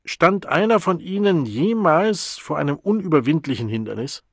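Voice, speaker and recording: A man's voice: on the high side, animated, normal speed, slightly rough, dry recording, clean studio sound, voice pushed up. A man voicing a cold, lofty male World Controller who lectures students emphatically in an audiobook. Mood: lecturing.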